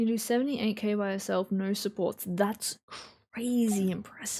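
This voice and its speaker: A somewhat breathy voice with a dark, mellow tone. Its intonation stays fairly even at a moderate pace. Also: woman. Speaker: streamer. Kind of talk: live gameplay stream chat. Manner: casual, chatty.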